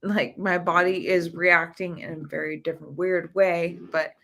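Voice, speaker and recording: A woman's voice: fairly low pitch, flat delivery, normal speed, creaky, a bit bright. A woman in her thirties chatting on a podcast, laughing often as she talks. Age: 30s. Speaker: podcast guest. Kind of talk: casual chat.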